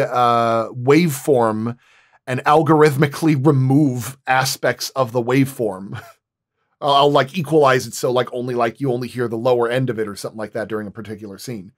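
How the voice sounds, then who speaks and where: Man explaining his craft in detail. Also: mid-range voice. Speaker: sound designer, guest. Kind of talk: casual roundtable discussion.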